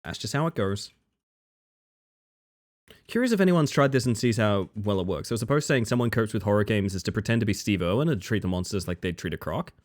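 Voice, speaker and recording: A man's voice: on the low side, expressive, a little fast. A man with an Australian accent, chatting casually with his live-stream audience while gaming, reading chat aloud and swearing now and then.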